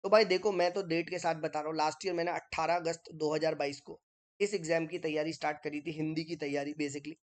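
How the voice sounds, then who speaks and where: A man's voice: fairly high pitch, flat delivery, quick pace. A man teaching an informal online exam-prep lesson, explaining step by step while writing on screen and checking in with listeners. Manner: chatty, keeps checking in with listeners.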